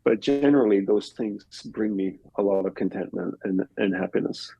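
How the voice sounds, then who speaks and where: Male guest from Australia, low-pitched and breathy, reflective and explanatory; dry close recording. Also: normal speed, mellow, no room sound, lo-fi sound. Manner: reflective, explains in plain step-by-step examples. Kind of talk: relaxed conversational interview answers. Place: home in Costa Rica.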